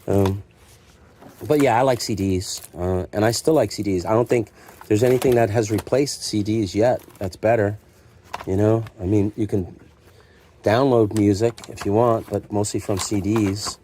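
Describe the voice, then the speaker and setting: A man's voice: fairly low pitch, steady tone, moderate pace, warm tone. A middle-aged man chatting casually and rambling along in a conversational, self-deprecating way, like a shop owner talking to viewers. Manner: conversational, self-deprecating, acts out imagined remarks. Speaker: secondhand store owner showing stock. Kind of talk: casual, rambling chat to camera. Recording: clear background noise with clicks.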